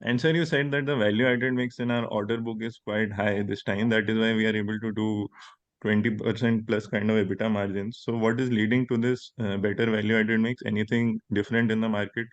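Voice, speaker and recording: A man's voice: fairly low pitch, level tone, fairly quick, no room sound. A man with an Indian accent putting questions to company management as an investor on an earnings call. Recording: dull, dry conference line.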